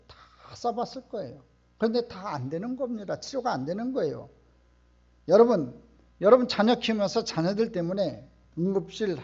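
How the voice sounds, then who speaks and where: A middle-aged man preaching a sermon in a church, emphatic and questioning the congregation, often swelling to loud outbursts. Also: high-pitched, vocal fry, breathy edge, lo-fi sound. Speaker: pastor. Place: church sanctuary.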